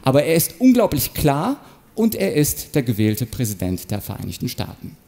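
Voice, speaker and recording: Lively man giving an animated talk. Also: mid-range voice, moderate pace, gravelly. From Ukraine. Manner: animated, explanatory, acts out short quoted examples. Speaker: speaker on manipulation and rhetoric. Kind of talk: stage talk to an audience.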